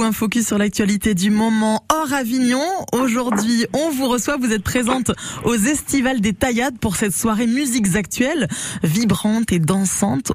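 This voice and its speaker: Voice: mid-range voice, slight background noise. A radio host reading prepared introductions and questions for a guest interview. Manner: smooth, reads prepared introductions. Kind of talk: scripted radio interview hosting.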